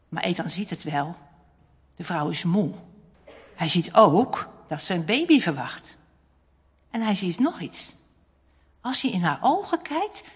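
A woman narrating a children's storybook in an expressive, dramatic reading. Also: medium pitch, slightly rough. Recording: long hall reverb.

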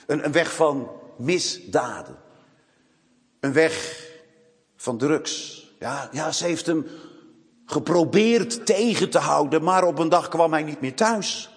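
A man preaching a sermon who often repeats the first word of a phrase. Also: fairly high pitch. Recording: long hall reverb.

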